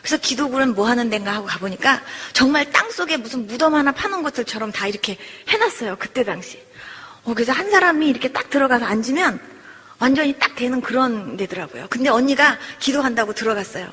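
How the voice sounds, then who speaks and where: High-voiced woman giving an emotional testimony. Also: fast, husky. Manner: animated storytelling, acts out quoted dialogue, voice rises into pleading. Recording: long hall reverb.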